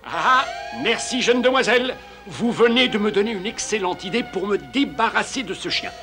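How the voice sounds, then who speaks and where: Fussy, very high-pitched cartoon ghost. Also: male voice, lively intonation, moderate pace, music in the background. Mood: scheming. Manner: theatrical, grumbling to himself. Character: fussy, scheming, exasperated male ghost. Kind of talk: French-dubbed cartoon acting.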